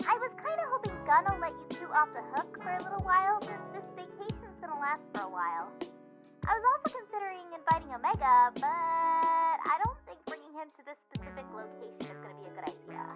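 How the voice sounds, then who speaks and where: Perky young female hedgehog: extremely high, animated, expressive and caring cartoon voice over music. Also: brisk. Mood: cheerful, chatty. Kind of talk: animated fan audio drama acting. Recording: music under the voice. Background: background music.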